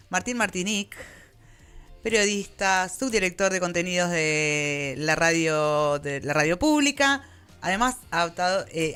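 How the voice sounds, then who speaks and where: An Argentine woman hosting a radio show in an informal, conversational way with halting phrasing. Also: on the low side, a bit bright, smooth. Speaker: radio host. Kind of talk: casual interview chat.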